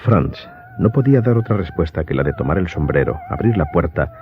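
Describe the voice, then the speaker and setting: A man's voice: low voice, big pitch swings, fairly quick, slight background noise. A man narrating a radio drama from a script in a dramatic storytelling style. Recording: dull recording with background music.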